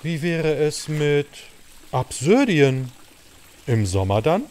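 A man playing a stately royal father in an audio drama, speaking in a deliberate, theatrical way. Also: on the high side, big pitch swings, darkish tone. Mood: pondering.

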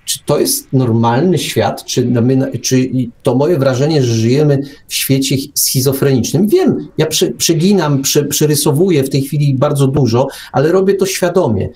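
A man's voice: medium pitch, normal speed, hardly any pauses, dark tone. A man hosting a radio talk show, giving opinions conversationally, with ironic exaggeration, rhetorical questions and repetition for emphasis. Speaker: podcast host.

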